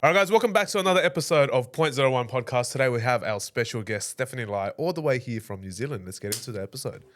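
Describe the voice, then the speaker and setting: A man's voice: medium pitch, animated, quick pace, a bit bright, slight background noise. A man in his late twenties hosting a podcast, upbeat and playful as he chats with a guest. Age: late 20s. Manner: upbeat and playful, laughs along. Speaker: podcast host. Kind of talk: casual interview chat.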